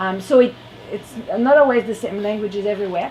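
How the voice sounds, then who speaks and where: Noticeable background noise sits behind a woman with a French accent and a fairly high pitch, her pitch varying in an ordinary way. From France. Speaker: guest speaker talking to students. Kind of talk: informal talk to a youth group with questions.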